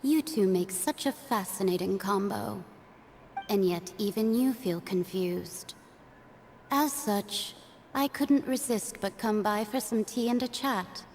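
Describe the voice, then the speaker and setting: A woman voicing a serene, cryptic wandering mage in a video game, with a measured, poised delivery. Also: mid-range voice, a little mellow, slight background noise. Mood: serene, amused.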